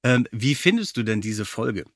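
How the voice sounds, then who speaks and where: A man's voice: medium pitch, big pitch swings, normal speed, no room sound, clean studio sound. A man hosting a podcast in a casual, chatty way. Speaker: podcast host. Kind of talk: casual chat.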